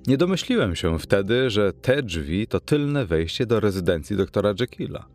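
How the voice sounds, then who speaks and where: Male reader as rueful gentleman, low, plain. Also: big pitch swings, moderate pace, soft background music. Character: rueful younger gentleman, self-mocking.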